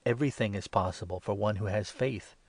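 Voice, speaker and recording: A man reading a calm solemn teacher. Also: lowish voice, breathy edge, dry recording. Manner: measured, solemn. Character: calm authoritative male teacher.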